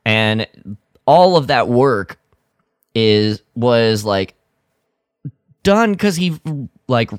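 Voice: mid-range voice, animated, drawn-out words, pauses often, smooth, no room sound, studio quality. A podcast co-host chatting casually in a playful, slangy way. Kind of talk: casual chat.

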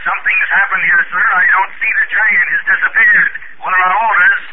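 Guy doing an alarmed squadron leader, flat high voice, tinny hissy radio. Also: fairly quick, lightly acted.

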